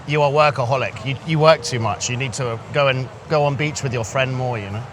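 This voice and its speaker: Teasing Londoner over clear street noise. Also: male voice, medium pitch, brisk, fairly bright tone. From London, England. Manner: teasing, simplified broken English for a non-native listener. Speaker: dating coach chatting up women in public. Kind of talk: playful flirty chat. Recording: noisy outdoor street ambience with traffic. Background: traffic and urban noise.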